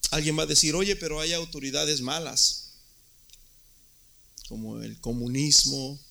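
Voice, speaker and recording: A man delivers a sermon as pastor. His voice sits fairly high for a man, with a gravelly edge and a piercing, bright tone. He preaches emphatically and circles back over his own words. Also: fairly even intonation, measured pace.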